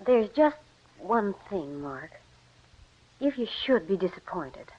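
A loving farm wife voices her worries with gentle skepticism. Her pitch moves around a lot. The sound is dull and lo-fi, like an old radio broadcast. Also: sing-song, slow pace. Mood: concerned. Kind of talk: 1940s radio acting.

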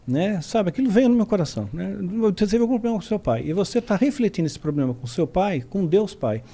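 Animated Brazilian man telling a story. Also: high-pitched, fast talker. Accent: Brazilian Portuguese. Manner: animated, acts out quotes. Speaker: podcast guest. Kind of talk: casual storytelling.

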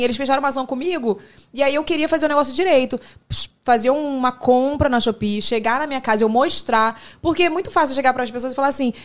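A Brazilian woman hosting a podcast who chats and tells stories in a lively, animated way. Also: high-pitched. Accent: Brazilian Portuguese. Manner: chatty, animated storytelling. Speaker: podcast host. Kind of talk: casual podcast chat.

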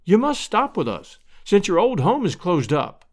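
A man's voice: high voice, wildly swooping pitch, normal speed, a little mellow, pitched above the performer's own voice, full character voice. A man voicing a cheery, kind-hearted, talkative rural married woman from a storybook, in a folksy, fretful manner. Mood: insistent, hospitable. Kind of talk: storybook character voice.

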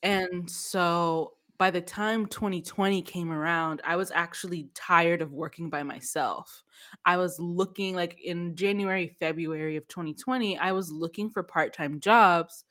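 A woman's voice: lowish voice, unhurried, fairly bright tone. A woman, chatting casually as a podcast guest, laughing often and trailing off mid-sentence. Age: 30s. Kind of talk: casual chat.

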